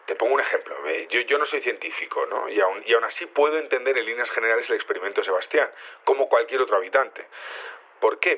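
An actor playing a measured, hesitant security investigator in an audio drama, with a Castilian Spanish accent, explaining things over the phone. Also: male voice, lowish voice. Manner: hesitant, explanatory, repeats words. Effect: phone line. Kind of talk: naturalistic audio drama interview. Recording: thin narrow phone line.

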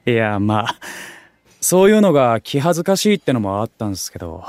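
An actor playing an excitable young otaku food streamer in an audio drama, talking in geeky slang with exaggerated reactions and junior-style politeness. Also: male voice, medium pitch, moderate pace, no echo. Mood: earnest. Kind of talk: Japanese audio drama acting.

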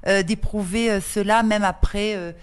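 A woman's voice: mid-range voice, fairly even intonation, normal speed, clean tone. A woman interviewing a guest, asking long questions with many hesitations. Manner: hesitant, searching questions with fillers.

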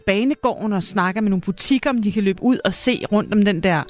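A woman talks casually as a podcast guest, telling a long story that keeps stopping and restarting as she corrects herself. Her voice sits at an ordinary middle pitch. Faint music plays softly in the background. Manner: lively, rambling storyteller with many restarts. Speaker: actress guest.

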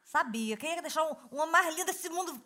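A woman hosting a comedic interview, teasing her guests with playful, rapid-fire questions. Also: very high-pitched, expressive, sharp tone.

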